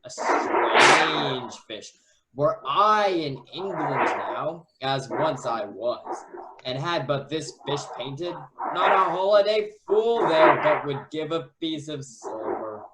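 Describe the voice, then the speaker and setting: A man's voice: fairly high pitch, lively intonation, takes it slowly. A man playing a foolish, puzzled jester in a Shakespeare radio play monologue. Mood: puzzled, wondering. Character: foolish jester sheltering from storm, puzzled by monster. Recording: loud background noise.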